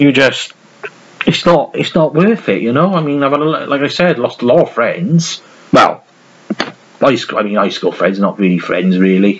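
Speaking at a moderate pace with a Welsh accent, a man uses a fairly high pitch and very wide pitch swings. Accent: Welsh (Newport). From Wales, Newport (Pill); Wales. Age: 20s. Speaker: YouTuber. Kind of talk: casual monologue vlog. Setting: home video recording. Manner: rambling, repetitive. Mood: frank, reflective, some swearing. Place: home room. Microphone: webcam.

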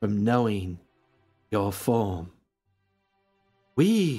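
Over faint music in the background, a man uses a raspy, put-on character voice with a fairly low pitch. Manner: mournful, conflicted.

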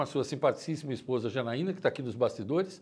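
A man talks very fast with lively intonation. His pitch sits fairly high. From Brazil. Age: 50s. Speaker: talk show host; show host. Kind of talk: casual interview. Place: studio.

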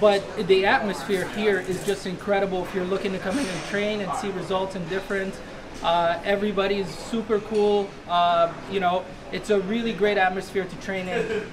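A man with a high pitch speaks at a moderate pace in a monotone, flat intonation over noticeable background noise. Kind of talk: interview-style promo talk. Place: gym.

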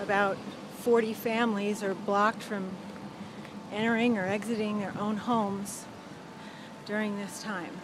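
At a fairly slow pace and in a monotone, flat intonation, a woman speaks with long, frequent pauses, the sound dry with no echo and noticeable background noise. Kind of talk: walking commentary. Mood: annoyed, documenting complaint. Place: street. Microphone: phone near.

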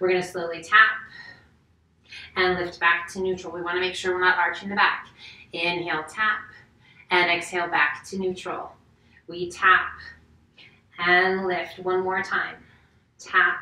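A woman speaks in a monotone, flat intonation, leaving long, frequent pauses. Audible room echo surrounds her voice. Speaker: yoga instructor. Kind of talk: guided yoga instruction. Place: home room.

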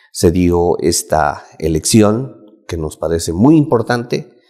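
A man's voice against a quiet background. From Bolivia, Potosí city; Bolivia. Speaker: journalist and press union leader; journalist. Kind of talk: interview; interview answer. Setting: studio set. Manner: hesitant, many fillers. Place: studio. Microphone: lapel.

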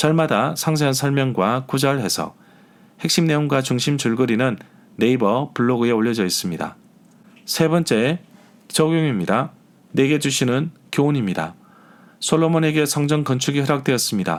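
A man with a fairly high pitch talks at a moderate pace with ordinary pitch variation and long, frequent pauses. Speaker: pastor. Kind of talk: scripted devotional reading. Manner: formal.

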